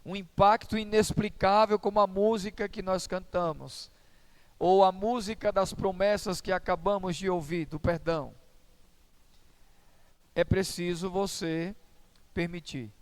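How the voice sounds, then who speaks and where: A man's voice: high-pitched, fairly even intonation, unhurried, clean tone. A man preaching a sermon in church as pastor, in a conversational, humorous storytelling manner.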